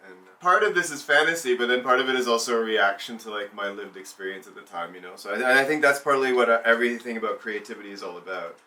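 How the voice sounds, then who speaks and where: A man's voice: mid-range voice, fast, few pauses, pushed and bright, far from the mic. A man born in Zambia who works as a burlesque and cabaret performer, speaking reflectively in a documentary interview and often restarting his sentences as he searches for words.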